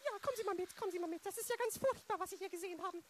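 A woman acting a brisk, sympathetic police officer in an amateur radio play. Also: extremely high pitch, a little hiss or hum. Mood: soothing, hurried.

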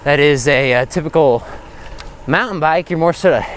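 This is an unscripted ride-along vlog: the host, a man whose voice sits a little high, speaks at a moderate speed, rambling and pausing as he cycles on suburban roads. The audio comes from a body-worn action camera, and traffic and road noise can be faintly heard.

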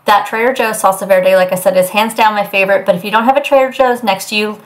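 A young woman talks her way through a meal prep in a home kitchen. Her delivery is loose and chatty, full of ums and side comments, at a mid pitch. The sound comes off a camera mic in the room. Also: steady tone, quick pace, poor audio. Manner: chatty, rambling with fillers. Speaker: cooking vlogger. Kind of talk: casual meal prep narration.

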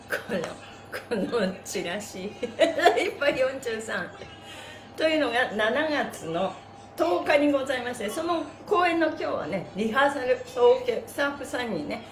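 Casting: middle-aged female exercise host, fairly high voice, bubbly and playfully polite, roomy live-stream sound over music. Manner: bubbly, animated, playfully polite, addressing body parts and objects with honorifics. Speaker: stretching class host and mime teacher. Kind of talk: upbeat live exercise lesson, chatting and counting out moves. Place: small room with mat on the floor, indoors. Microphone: phone or camera a metre or two away.

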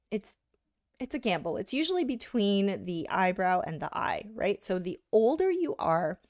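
A woman giving a live drawing lesson, talking casually while she sketches and often checking in with "right?", a little hoarse from being sick. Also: mid-range voice, dry recording, clean studio sound. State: slightly hoarse from illness. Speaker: art instructor.

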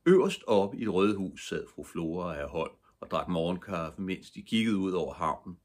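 An older man reading a children's storybook at bedtime. His voice is deep and husky. He narrates calmly and gently. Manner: calm, gentle.

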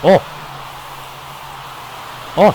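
A man casually commentating his own game session, excitable and prone to yelping and shouting when under attack. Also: very slow, background noise. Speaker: gaming channel host. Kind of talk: casual let's-play commentary.

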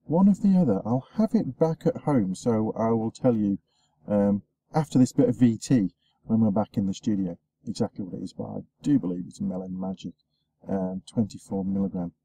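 A man's voice: on the low side, expressive, normal speed, creaky, mellow, slightly rough, no room sound, low-quality recording. Chatty man vlogging from his car. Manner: rambling, chatty, lots of ums and uhs. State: sore throat. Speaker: show host. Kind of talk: casual vlog chat. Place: inside a parked car. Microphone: camera facing him at close range.

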